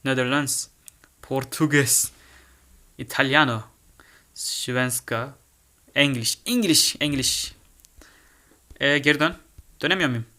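Excitable young man commenting gameplay. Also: medium pitch. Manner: excitable, swears and shouts in panic. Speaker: gaming YouTuber.

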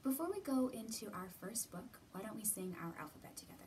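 A woman's voice: a little high, very animated, fast talker, noisy background. A woman in her thirties hosting a storytime for young children, speaking expressively as she talks and reads aloud. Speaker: children's library storytime host. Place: library room with bookshelves, indoors.

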